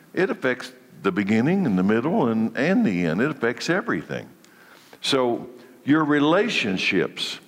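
A man's voice: medium pitch, a bit bright, long reverb tail. A congested man leading a church Bible study, preaching in a conversational way that often restarts his phrases. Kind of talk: church teaching session.

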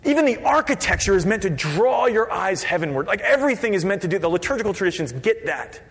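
Male pastor, conversational sermon, very expressive pitch, lots of room reverb. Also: quick pace. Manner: conversational, lively, drops to quiet for emphasis. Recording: long reverb of a large hall.

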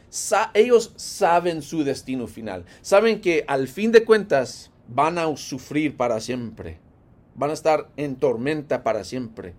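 Expressive male preacher, slow and pitched high. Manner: expressive, swings from loud to hushed, laughs often. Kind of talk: sermon.

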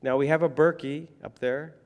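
A pastor with a hoarse, froggy voice, giving a casual, rambling sermon full of fillers. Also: male voice, on the high side, steady tone, normal speed, a little mellow. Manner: rambling, conversational, many fillers. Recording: hall reverb.

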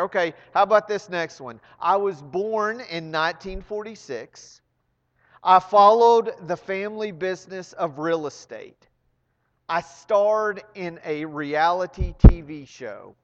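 Male pastor, earnest and unhurried, lightly raised pitch, dull echoey church recording. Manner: slow, earnest, dropping to near whisper. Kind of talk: sermon.

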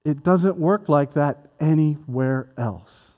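A man's voice: on the high side, slow pace. A man preaching a sermon as pastor, talking conversationally and joking with people in the congregation. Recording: dull lo-fi sound with long hall reverb.

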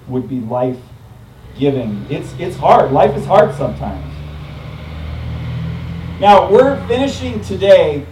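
A man's voice: a little high, darkish tone, roomy sound, a little hiss or hum. Man pastor preaching outdoors in a park, casual delivery, heard from a distance. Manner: casual, frequent fillers and restarts. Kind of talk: outdoor sermon.

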